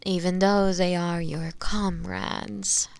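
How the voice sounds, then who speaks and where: A woman playing an imprisoned witch in an audio roleplay, seductive, teasing and obsessive, sometimes hushed as she speaks to the listener. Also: fairly low pitch, flat delivery, vocal fry, no echo. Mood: probing. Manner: slow, teasing, hushed at times, with pet names. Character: imprisoned witch, seductive, obsessive yandere, bitter toward inquisitors.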